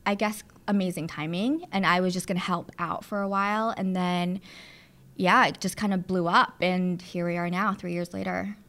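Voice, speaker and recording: A woman's voice: lowish voice, fairly even intonation, moderate pace, a bit bright. A woman in her thirties, a producer and studio owner born in the Philippines and raised in Southern California, chatting casually as an interview guest with plenty of fillers and asides.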